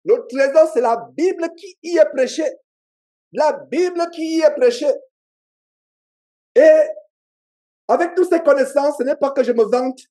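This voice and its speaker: High-pitched preacher with a Cameroonian accent. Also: male voice, unhurried, pauses often, warm tone. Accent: Cameroonian French. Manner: emphatic, repeats key phrases, call-and-response with the congregation. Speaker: pastor. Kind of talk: sermon. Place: church meeting.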